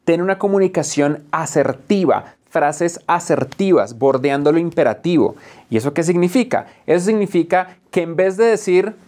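A man's voice: a little high, normal speed, darkish tone. Emphatic man giving direct advice. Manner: acts out timid and boastful speakers. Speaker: online course instructor. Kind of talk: lecture-style tips to camera.

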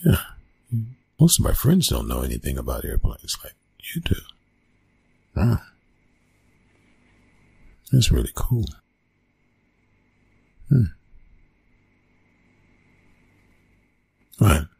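Man acting husky, very low, flustered college bully. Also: wildly swooping pitch, mellow, dry recording, exaggerated voice. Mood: shyly friendly. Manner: halting, stammering, evasive. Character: college bully, flustered, awkward, secretly softening young man. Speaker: roleplay audio performer. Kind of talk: one-sided ASMR roleplay acting.

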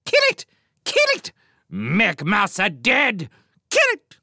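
A man's voice: on the high side, very animated, takes it slowly, gravelly, bright, forceful tone, husky, dry recording, voice pushed up, exaggerated voice. King Bull Sparrow, shrieking bird tyrant. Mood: frenzied rage. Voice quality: shrieking, harsh. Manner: broken, clipped grammar, barking commands. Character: savage, wrathful sparrow king, shrill and bullying.

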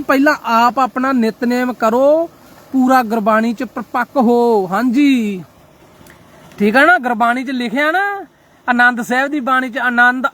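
A man's voice: very high-pitched, a bit bright. A young Punjabi man speaking casually to his livestream viewers, preaching, quoting scripture and often asking if they agree. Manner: preachy, quotes scripture, keeps asking "right?". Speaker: social media livestreamer.

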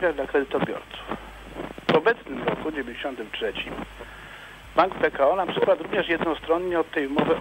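A male caller asks his question in a formal, careful way. The phone line makes his voice thin and fairly high, and clear hiss runs under it.

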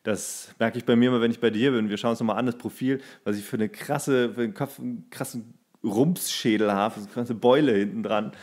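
A man's voice: mid-range voice, fairly even intonation, brisk, darkish tone. A man in his thirties co-hosting a podcast, casually telling anecdotes and acting out quotes as he goes. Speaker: podcast co-host; actor.

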